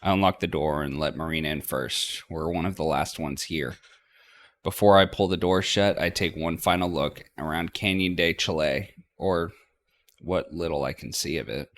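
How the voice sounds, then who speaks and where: A man's voice: extremely low pitch, moderate pace. A man hosting a let's play, reading visual novel narration aloud and now and then stumbling over words.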